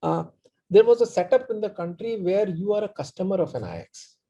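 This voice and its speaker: A man with an Indian accent explaining his work as a panelist in a halting, presentational way. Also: sits high, animated, vocal fry, mellow. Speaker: panelist, community organizer. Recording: dull, muffled online-call audio.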